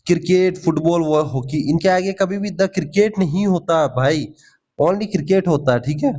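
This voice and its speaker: A man teaching English grammar in for exam prep, lively, often asking "ठीक है?" and calling his students "भाई". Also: on the high side, moderate pace. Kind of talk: Hindi grammar lesson with English examples. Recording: slightly dull lo-fi audio.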